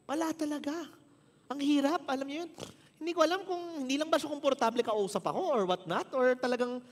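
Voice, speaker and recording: A man with a Filipino accent preaching a sermon, telling a story and acting out the dialogue with lively shifts of voice. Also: very high voice, brisk, long reverb tail. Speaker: pastor. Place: church hall.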